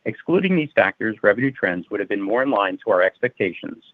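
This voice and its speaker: A man's voice: on the low side, no room sound. A male finance executive reading prepared financial results in a formal, methodical way. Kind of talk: prepared financial results presentation, read aloud. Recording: narrow-band phone conference line.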